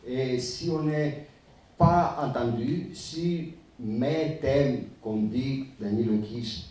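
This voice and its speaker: A man's voice: mid-range voice, very slow, dark tone. A man commenting on a literary panel in a conference hall, emphatic yet hesitating with fillers. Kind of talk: panel discussion. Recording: echoey hall from far off.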